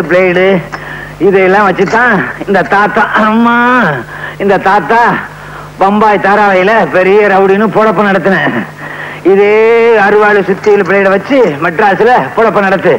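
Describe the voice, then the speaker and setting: A male actor playing a dying old ex-gangster grandfather, gruff and commanding, in a film comedy scene. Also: high-pitched, fairly even intonation, a little slow, fairly bright tone, highs cut off, slight background noise. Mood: boastful. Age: older.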